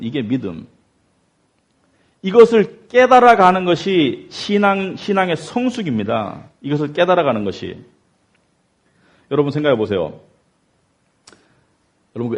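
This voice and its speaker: A male pastor delivers a sermon in a husky voice with a mid-range pitch. He moves between raised, stretched phrases and low, quiet answers. He keeps putting rhetorical questions to his congregation. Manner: rhetorical questions with answers that rise and fall in loudness. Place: church sanctuary.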